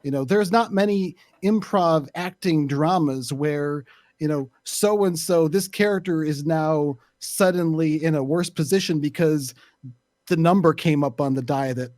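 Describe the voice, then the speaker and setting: Higher-pitched man, deliberate explainer. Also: a little mellow, no room sound, clean studio sound. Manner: deliberate, searching for words. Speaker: panelist, actual play creator. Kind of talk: casual discussion, explaining opinions.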